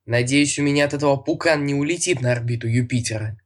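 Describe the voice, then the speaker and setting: A man's voice: fast, close to an everyday voice. Man squealing as a frantic black pegasus. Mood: grumbling. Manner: yelling in a shrill squeal. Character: frantic foul-mouthed male black pegasus.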